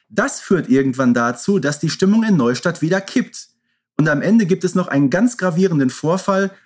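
Higher-pitched man hosting a podcast. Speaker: podcast host. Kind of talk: podcast talk, retelling a story outline.

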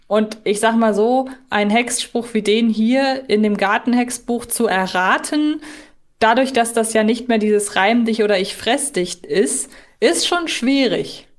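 A woman's voice: on the high side, a little slow. A woman co-hosting a podcast in a casual, analytical way, correcting herself as she thinks aloud. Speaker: podcast co-host.

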